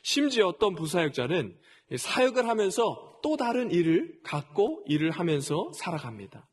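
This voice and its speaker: A man's voice: high voice, slightly rough. A middle-aged male pastor preaching a sermon, telling a personal story and often addressing the congregation directly.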